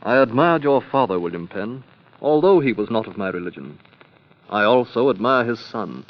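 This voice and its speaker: A man's voice: mid-range voice, animated, moderate pace, lightly acted. A man playing a wry, amused king. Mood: amused, courtly. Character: genial, wry, spendthrift adult male king. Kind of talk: 1930s radio drama acting. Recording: dull lo-fi old radio transcription.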